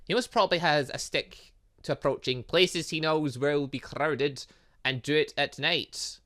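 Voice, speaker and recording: A man's voice: a little high, unhurried, pushed and bright. A man hosting a gaming video, reading game dialogue aloud with chatty asides and sometimes stumbling over words. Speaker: gaming channel host.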